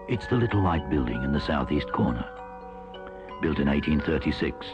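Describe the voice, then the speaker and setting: A man reading scripted history as a radio announcer, in a measured storytelling manner, on a 1970s aircheck. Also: rumbling low, lo-fi sound. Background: mallet music.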